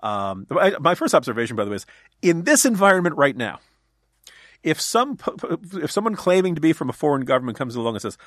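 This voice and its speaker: A man's voice: fairly high pitch, big pitch swings, fast, fairly bright tone, no echo, clean studio sound. A man appearing as a guest author on a podcast, talking in casual political chat, rambling with many restarts and jokes.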